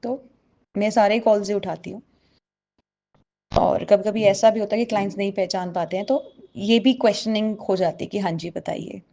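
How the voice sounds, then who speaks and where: A woman with a slight accent shares her own devotional testimony with a gathered congregation, earnest and personal, repeatedly turning to address her listeners directly. Her mid-range voice is dark in tone, with fairly even intonation and a normal pace, and the highs are cut off.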